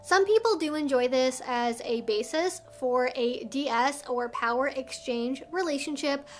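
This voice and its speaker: A woman's voice: high voice, unhurried, faint music behind. A woman hosting an explanatory vlog, speaking in an articulate, conversational way and explaining things carefully. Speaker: video host. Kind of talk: explanatory educational vlog, talking to viewers.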